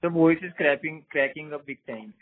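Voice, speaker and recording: Husky Indian businessman on a muffled call. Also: fairly high pitch, normal speed. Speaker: company executive. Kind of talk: answering investor questions on an earnings call. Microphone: conference phone line. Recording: muffled narrow-band conference call.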